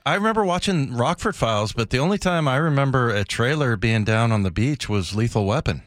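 A man's voice: mid-range voice, animated, a little fast, no echo. A man co-hosting a sports talk radio show, dropping short, wry remarks into the chat. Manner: dry, wry interjections. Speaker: radio co-host. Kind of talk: casual chat.

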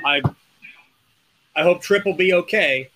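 A male sports show host with a high, very bright voice. He talks in a casual, chatty way, often pausing and feeling his way through a sentence. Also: a little hiss or hum, poor audio.

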